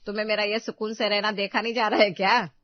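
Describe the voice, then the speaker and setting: A woman's voice: mid-range voice, little pitch movement, quick pace, no room sound, natural voice. A woman voicing a strict but sensible middle-aged mother-in-law who speaks firmly. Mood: curt. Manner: firm, no-nonsense. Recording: dull, dry sound.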